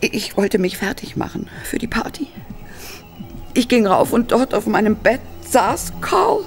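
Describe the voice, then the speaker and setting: An embittered Hollywood actress in a horror audio drama. She tells her frightening past in halting, dramatic phrases. Faint music runs behind her. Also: a little high, very animated, vocal fry, full character voice. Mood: horrified. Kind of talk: German horror radio play acting.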